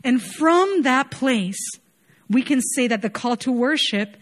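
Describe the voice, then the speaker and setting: Earnest higher-voiced woman preaching. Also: animated, takes it slowly. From Chile. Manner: earnest, conversational, frequent "like" fillers. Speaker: worship leader preaching. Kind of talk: sermon.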